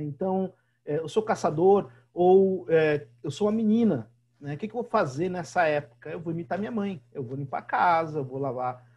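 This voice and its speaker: A man with a slightly high, husky voice and a Brazilian Portuguese accent leads an online class by video call, the audio dull and lo-fi. He chats freely and keeps checking on his students with "né?".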